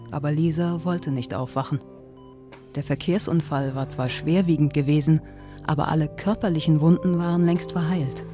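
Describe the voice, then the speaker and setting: Mellow male narrator over music. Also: on the high side. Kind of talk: scripted audio drama narration.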